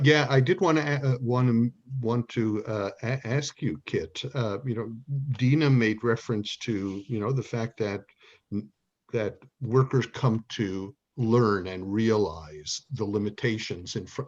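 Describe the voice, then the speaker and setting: A man moderating an online panel discussion. He talks in a halting way, full of "uh" and "um" and restarts. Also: on the low side, a little mellow, dull audio.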